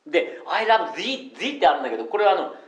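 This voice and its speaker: A man teaching a song in a chatty, relaxed way, modelling English lines slowly for students to repeat. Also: sits high. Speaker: singing teacher. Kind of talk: vocal lesson with call-and-response. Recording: echoey room with faint music.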